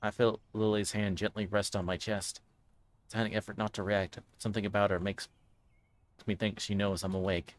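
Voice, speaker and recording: Male streamer, fairly low voice, casual chat, reading game text aloud, halting delivery. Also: level tone, dry recording.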